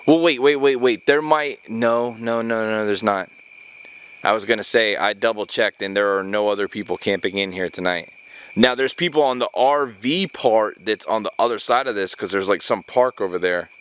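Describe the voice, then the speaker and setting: A man's voice: lowish voice, moderate pace, a bit bright, slight background noise. A man talking casually as an adventure vlogger, recorded outdoors at night in the jungle. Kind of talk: casual hushed talk to camera and companion while night camping. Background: crickets and insects.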